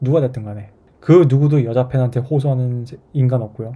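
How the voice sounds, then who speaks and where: A somewhat breathy male voice at a medium pitch and moderate pace, with fairly even intonation. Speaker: dating and relationships youtuber. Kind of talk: casual monologue. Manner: casual, conversational.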